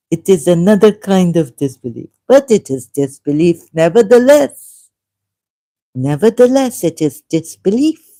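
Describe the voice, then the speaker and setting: A woman reads scripture aloud in a slow, unhurried way and comments on it as she goes. Her voice is mellow and soft-edged. She muses, breaks off mid-phrase and puts pointed questions to her listeners. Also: mid-range voice. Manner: argumentative, asks the listener questions. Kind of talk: solo video commentary reading scripture aloud.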